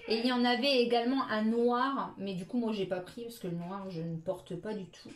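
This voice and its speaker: A woman's voice: medium pitch, steady tone, fairly quick. Middle-aged woman, casual haul vlogger, chatty with many hesitations, echoey room. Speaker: beauty vlogger.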